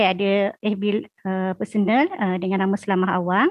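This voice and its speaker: In an ordinary speaking voice, a woman talks at a fairly slow pace. Her pitch is medium, with fairly even intonation. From Selangor, Malaysia. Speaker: schoolteacher and gold dealer. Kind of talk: podcast interview.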